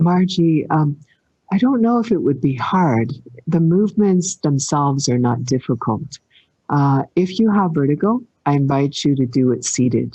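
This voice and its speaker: Her voice is very deep and low in pitch, dark and mellow in tone, somewhat breathy, with lively intonation, very even loudness and a moderate pace. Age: 50s. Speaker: qigong teacher. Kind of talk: Q&A interview.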